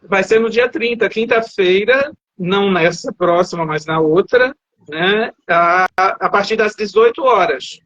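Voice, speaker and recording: A high-pitched, slightly bright-voiced writer from Salvador, Bahia, Brazil talks at a measured pace as a guest in a live video interview, rambling and correcting himself mid-sentence. The video call sound is dull and dry, without echo.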